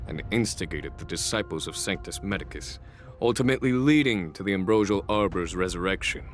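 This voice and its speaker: An actor playing a calm, authoritative general in a video game, with a measured, assured and courteous delivery. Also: male voice, low-pitched. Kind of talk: video game story dialogue.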